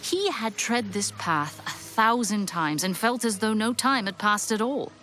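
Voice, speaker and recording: A woman playing the storyteller, giving expressive, literary narration in a scripted audio drama. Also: medium pitch, unhurried, soft background music. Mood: storytelling. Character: storyteller narrating a classic Christmas tale.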